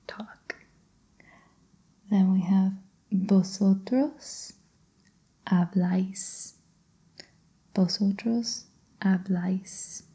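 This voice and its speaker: A woman whispering a Spanish grammar lesson, slow and patient, in a breathy ASMR style. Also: mid-range voice, dark tone. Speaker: Spanish tutor.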